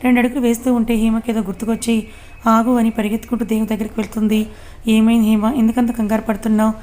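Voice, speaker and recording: Female narrator for a serialized romance, mellow tone, level delivery, does all the parts herself. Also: on the high side, level tone, rapid-fire. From Telugu-speaking India. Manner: voices all the characters in her own plain voice. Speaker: storyteller. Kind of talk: reading a serialized romance story aloud.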